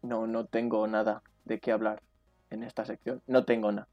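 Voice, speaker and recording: A man's voice: fairly low pitch, flat delivery, moderate pace, highs cut off, faint music behind. A man, a podcast co-host, telling comic stories in a playful, self-mocking way. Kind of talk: comedic storytelling.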